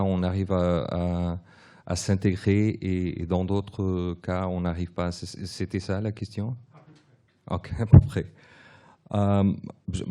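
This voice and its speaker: A man's voice: sits low, warm tone. A man whose first language is Portuguese, answering questions at a public talk in a hesitant way, with many restarts and repeated words. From born in France, raised partly in Clermont-Ferrand. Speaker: guest author.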